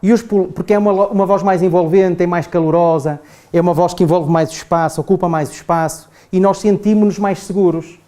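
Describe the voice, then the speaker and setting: Mellow-voiced Portuguese man lecturing. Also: high-pitched, steady tone, brisk. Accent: European Portuguese. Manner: chatty, keeps asking "não é?". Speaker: trainer. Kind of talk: classroom lecture.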